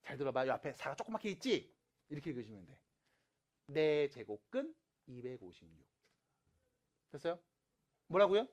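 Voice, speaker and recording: A middle-aged man teaching a math lesson, asking quick questions and answering them himself. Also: a little high. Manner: lively, asks and answers own questions. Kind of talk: lecture.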